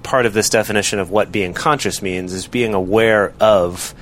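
Low-voiced guy on a podcast explaining stuff slowly, bit of hum in the back. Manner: explanatory, measured, drawn-out words. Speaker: podcast co-host. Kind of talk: casual podcast discussion.

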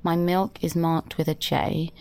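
A soft-voiced, drowsy woman. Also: sits low, level tone, measured pace, creaky, smooth. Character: sleepy young woman waking in her lover's bed.

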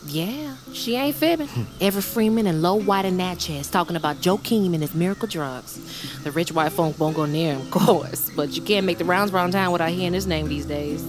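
A woman's voice: lowish voice, brisk, music in the background, natural voice. An actress playing a cautious, motherly enslaved woman who scolds the young ones. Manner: scolding, protective. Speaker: Mary. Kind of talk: audio drama acting.

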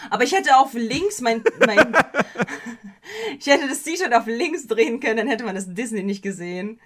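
A woman hosting a podcast, chatting casually with lots of fillers and self-corrections, dropping English slang into her talk. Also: mid-range voice. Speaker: podcast host. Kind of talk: casual chat.

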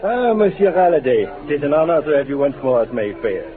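A man's voice: medium pitch, sing-song, fast, lightly acted. Casting: actor as gushing French-accented male restaurant host, swooping intonation, muffled radio with music behind. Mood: effusive, courtly. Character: courtly, effusive French restaurant maître d'. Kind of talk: 1940s radio acting.

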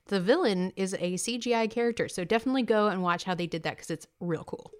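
A woman's voice: medium pitch, fast. A woman co-hosting a podcast in casual chat, bubbly and playful. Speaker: podcast co-host.

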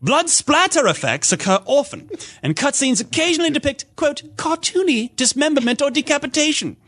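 A man hosting a gaming podcast, chatting and reading aloud in an animated, easily amused way. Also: extremely high pitch, fairly quick. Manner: animated, breaks into giggles while reading. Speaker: podcast host.

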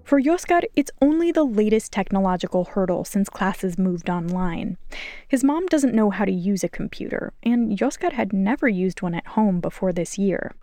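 A woman education reporter narrating a radio news feature in a steady, informative way. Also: medium pitch, moderate pace, dry recording.

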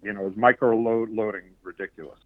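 A man calling in to a radio show over the phone, halting and repeating his words. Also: fairly low pitch, fairly even intonation, narrow, tinny audio. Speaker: caller. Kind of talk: call-in radio chat.

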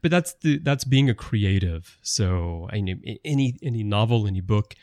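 A man's voice: on the low side, expressive, normal speed, a little mellow, dry recording. A man hosting a podcast in casual conversation, rambling a little and asking long, winding questions. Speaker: podcast host.

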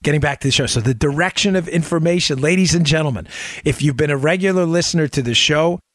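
A man's voice: on the high side, fast talker, fairly bright tone, no room sound, clean studio sound. A man hosting a political talk show, giving opinionated commentary with rhetorical questions, repeated phrases and direct address to listeners.

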